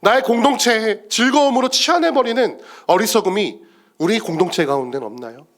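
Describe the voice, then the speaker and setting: A man preaching a sermon with a high voice that rises and falls a great deal. He is emphatic, driving points home loudly and then dropping to near-whispers. It sounds like a pastor at the pulpit of a church. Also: expressive, a little fast. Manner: emphatic, swings from loud to hushed.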